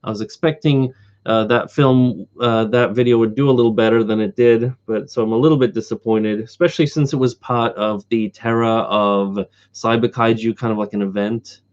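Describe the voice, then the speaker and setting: A slightly hoarse man chatting casually on a live stream, wandering from point to point with eager enthusiasm. His voice sits at an ordinary middle pitch. The audio is dull and lo-fi. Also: steady tone, normal speed, a little mellow. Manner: rambling, eager collector fan. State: slightly hoarse from talking all day. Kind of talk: casual live stream chat answering viewers.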